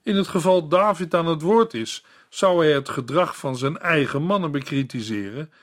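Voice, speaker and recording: A man reading a scripted Bible commentary in a calm, measured way, as a Bible teacher. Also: a little high.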